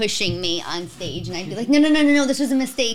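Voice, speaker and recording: A woman with a New York accent, fairly quick in pace, with very wide pitch swings, on a very clean recording with a silent background. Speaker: stand-up comedian. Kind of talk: casual chat. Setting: host's home.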